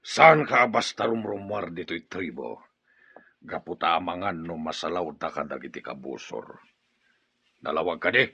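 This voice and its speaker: Gravelly, stern tribal chief. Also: male voice, low voice, lively intonation, normal speed, no room sound, muffled recording, full character voice. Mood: stern, suspicious. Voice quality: gravelly, raspy. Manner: forceful, commanding. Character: stern, hot-tempered tribal chief and father. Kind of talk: Ilocano radio drama acting.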